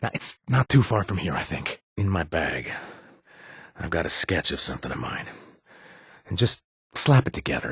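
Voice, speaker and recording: A man's voice: deep voice, a bit bright, slightly rough, no room sound, clean studio sound, full character voice. An actor playing a reformed ex-gang man turned bartender in a video game, laid-back and wisecracking. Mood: nervous.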